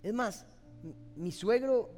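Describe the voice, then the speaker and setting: High-voiced Costa Rican pastor preaching. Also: male voice, expressive, slow, a little mellow, faint music behind. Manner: emotional, impassioned preaching. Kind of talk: sermon. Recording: long hall reverb.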